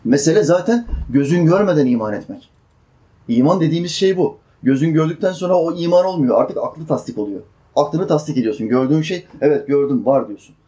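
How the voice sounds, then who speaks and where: Delivering a sermon, a man chants Quranic verses slowly, then explains them in plain speech, asking his listeners questions and answering them. He speaks in an animated, warm voice on the high side.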